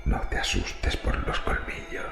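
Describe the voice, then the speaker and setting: A man's voice: measured pace, lightly acted. An actor playing a doting, menacing male vampire lover in a horror radio drama. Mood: tender menace. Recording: echoing voice under loud music.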